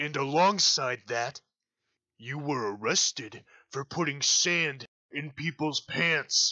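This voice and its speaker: A man at a fairly high pitch and a fairly slow pace. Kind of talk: comic sketch acting. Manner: deadpan, exasperated.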